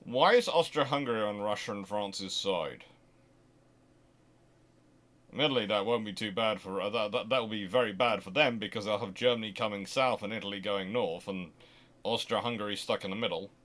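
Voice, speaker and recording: A man's voice: fairly low pitch, a little fast, fairly bright tone. A man hosting a casual question-and-answer session, chatty and digressive, often posing rhetorical questions as he explains. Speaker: host answering viewer questions. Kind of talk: casual live Q&A on naval history.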